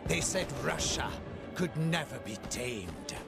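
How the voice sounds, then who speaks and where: A man's voice: fairly high pitch, big pitch swings, slow, vocal fry, full character voice. A man playing a proud, menacing conqueror in a game cinematic, grave and declamatory. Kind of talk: dramatic game cinematic monologue. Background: loud music.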